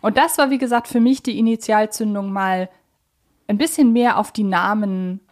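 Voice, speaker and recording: A woman's voice: medium pitch, normal speed. A woman podcast host moderating conversationally, explaining things in a chatty, wordy way.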